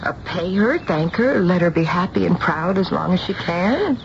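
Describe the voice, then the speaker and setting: Worried mother, very expressive, noisy recording. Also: on the low side, moderate pace. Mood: soothing, troubled. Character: worried middle-aged mother of the bride. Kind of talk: vintage-style radio drama acting. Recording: dull lo-fi radio recording with clear noise.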